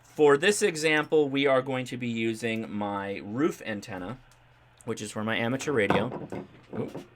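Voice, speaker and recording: A man's voice: medium pitch, normal speed, very noisy. A man hosting a livestream, giving a casual, chatty hands-on tutorial and checking in as he explains each step. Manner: informal, chatty, explanatory, checks in with "right?" and "okay?". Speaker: host of a ham radio livestream. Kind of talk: casual live demonstration and tutorial.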